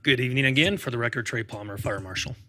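A man's voice: mid-range voice, quick pace, pushed and bright. A man testifying as a fire official at a public meeting, explaining requirements in plain, formal terms. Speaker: fire marshal.

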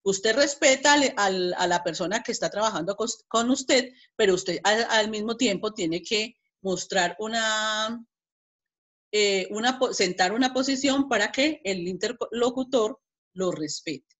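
A woman's voice: mid-range voice, measured pace, fairly bright tone. Colombian woman lecturing an online class, explains step by step, restarts a lot. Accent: Colombian Spanish. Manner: reads example dialogues aloud with emphasis. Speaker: teacher.

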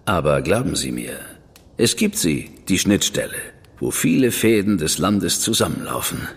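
Superior official, measured, menacing, low voice, husky, reverberant. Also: male voice, wildly swooping pitch, full character voice. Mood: cool. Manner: measured, superior, quietly threatening. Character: cool, arrogant high official, man, middle-aged. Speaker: government official recruiting an investigator. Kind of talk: radio play acting.

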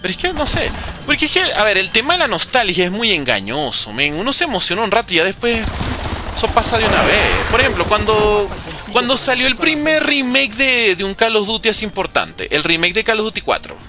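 A man's voice: high-pitched, very animated, brisk, sharp tone. A young Venezuelan man with a Venezuelan accent, chatting casually and joking with viewers while streaming a zombie game. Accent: Venezuelan Spanish. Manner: chatty, joking, reads and answers viewer chat. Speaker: gaming streamer. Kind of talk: casual live commentary while playing. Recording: game music underneath.

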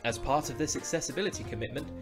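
A man's voice: medium pitch, very fast, over music. A young adult man, a voice actor, giving scripted voice reel narration.

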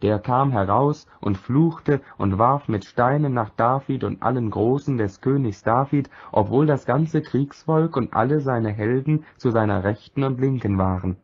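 A man giving a steady, measured recitation of a Bible passage. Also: medium pitch, husky. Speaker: Bible reader. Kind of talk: scripted Bible reading. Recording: dull lo-fi recording.

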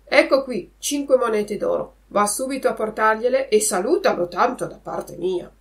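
A woman voicing a gruff but kindly male puppet-show master in a storybook reading. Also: a little high, moderate pace, natural voice.

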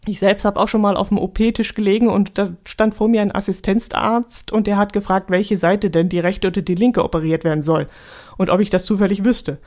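A woman talks alone into her podcast mic in an easy, casual way. She digresses freely and laughs at her own jokes. Her voice sits at a middle pitch. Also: fairly even intonation, fairly quick, darkish tone. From Allgäu, Germany. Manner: chatty, digressive, laughs often. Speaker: podcast host. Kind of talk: casual solo podcast monologue.

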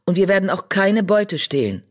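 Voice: mid-range voice, big pitch swings, normal speed, pitched above the performer's own voice. A narrator doing a firm male cat leader. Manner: commanding.

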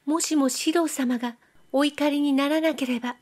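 Brief: coy young girl with a soft nasal lilt, pitched high, as a woman reader puts her on. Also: fairly even intonation, moderate pace, close to an everyday voice. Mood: coy, pleading. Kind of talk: audiobook reading.

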